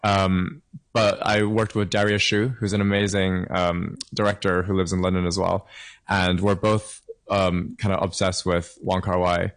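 A man's voice: low-pitched, level tone, unhurried. A young man from Hong Kong, a singer-songwriter, chatting upbeat and friendly as a guest in an interview, laughing now and then. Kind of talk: casual interview over a call.

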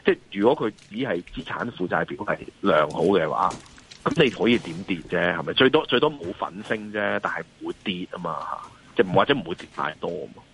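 The speaker is a Hong Kong-accented man, a financial analyst and columnist, riffing on the markets as an interview guest. His low, husky voice is creaky and a bit bright, animated and fairly quick, and he's emphatic, often throwing in rhetorical questions to check that you agree. It's carried on a dull, lo-fi remote call line.

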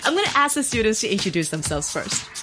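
A woman hosts a studio talk show with bubbly enthusiasm. Her pitch moves around a great deal as she reacts to her guests. Faint music runs underneath. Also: big pitch swings, fast talker.

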